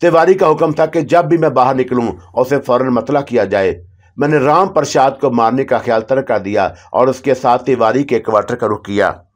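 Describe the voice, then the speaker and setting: A man reading a first-person horror story aloud in a steady, dramatic manner. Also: medium pitch, normal speed.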